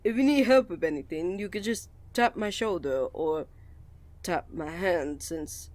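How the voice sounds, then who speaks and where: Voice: mid-range voice, animated, unhurried, darkish tone, lightly acted. A voice actor playing a shy, flustered male college student in love, stammering, earnest and courteous, in a romantic ASMR roleplay. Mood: teasing, affectionate. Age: young adult.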